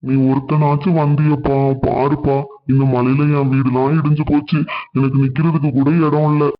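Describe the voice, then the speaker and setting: A man's voice: fairly high pitch, little pitch movement, normal speed, lightly acted. A man doing a wailing, humbled rich jeweler. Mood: remorseful. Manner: wailing, pleading. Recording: dull lo-fi sound.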